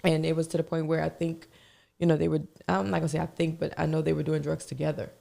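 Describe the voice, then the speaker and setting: A woman with a raspy, gravelly voice co-hosts a podcast while a little under the weather. She talks in a loose, chatty way and laughs often. Her tone is dark and mellow. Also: low-pitched, flat delivery, fast. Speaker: podcast co-host. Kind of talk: casual chat.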